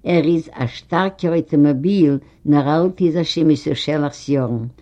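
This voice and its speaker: A reader voicing an old kibbutz man who drives an old car, gruff but kindly, talking in a folksy, joking way, a bit louder than the narration. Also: mid-range voice, moderate pace, close to an everyday voice. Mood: wry. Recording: dull lo-fi recording.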